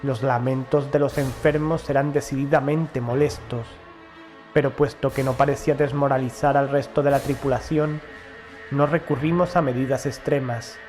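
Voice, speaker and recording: A man reading a first-person horror story as an audiobook narrator, in a measured, formal storytelling delivery. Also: mid-range voice, steady tone, a little mellow. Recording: music behind the voice. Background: background music.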